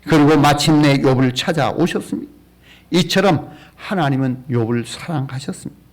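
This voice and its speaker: A man's voice: on the high side, normal speed. A man preaching a sermon as a pastor in a church, earnest and full of rhetorical questions.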